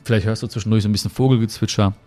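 A man with a fairly low voice talks straight to his listener, telling a personal story. He is reflective and hesitant, circling back with fillers and restarts as he looks for his words. He records from a room with the window open in the mountains. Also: fairly even intonation, rapid-fire, a little mellow, faint music behind.

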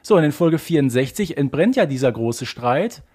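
A man's voice: a little high, expressive, normal speed, dark tone, husky. A man talking as co-host in a casual podcast discussion.

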